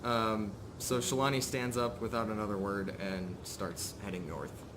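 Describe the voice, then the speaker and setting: Guy running a tabletop game, kinda low voice, halting improv narration, rumbly noisy audio. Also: steady tone. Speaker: game master. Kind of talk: narrating a live tabletop roleplay.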